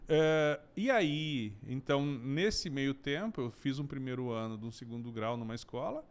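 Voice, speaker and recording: A middle-aged man from southern Brazil with a gaúcho accent, a podcast guest telling his story in a relaxed, joking way. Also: medium pitch, moderate pace, smooth. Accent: Gaúcho Brazilian Portuguese. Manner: warm storytelling, jokey asides. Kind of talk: casual podcast conversation.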